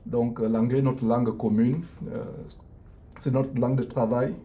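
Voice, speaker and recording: Mellow-voiced middle-aged man, halting and earnest. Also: mid-range voice, flat delivery, a little hiss or hum. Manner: hesitant, many drawn-out fillers and restarts; earnest, preachy. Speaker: lawyer and online minister. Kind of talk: improvised live stream, answering viewers. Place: his law office at lunch break.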